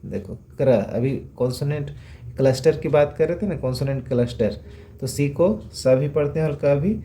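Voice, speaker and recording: A man gives a phonics lesson, patiently sounding out letters one by one and asking little checking questions as he goes. His voice is dark and mellow at an ordinary pitch. A faint background hiss sits under the recording. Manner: patient, repeats sounds slowly and asks rhetorical checks. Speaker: English teacher. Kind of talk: phonics lesson explained in Hindi.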